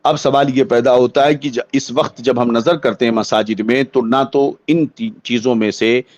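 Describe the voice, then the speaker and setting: A man with an Indian accent, a Muslim cleric giving a religious ruling as a lecture in deliberate, formal scholarly phrasing. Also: mid-range voice, steady tone, no room sound, lo-fi sound.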